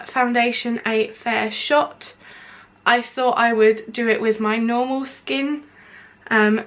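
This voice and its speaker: A young woman rambles through a makeup test at home in a slightly high voice. Her voice is nasal and congested from hay fever, and her throat sounds sore. She talks casually and loosely, leaning on filler words. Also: a bit bright. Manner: chatty, rambling, many filler "like"s. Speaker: beauty vlogger. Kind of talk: casual product review while applying makeup. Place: indoors at home, window open.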